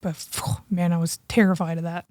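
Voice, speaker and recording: A woman co-hosting a podcast, chatting and telling personal stories in an informal, expressive way. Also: lowish voice, a little fast, no echo, studio quality. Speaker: podcast co-host. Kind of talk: casual chat, personal storytelling.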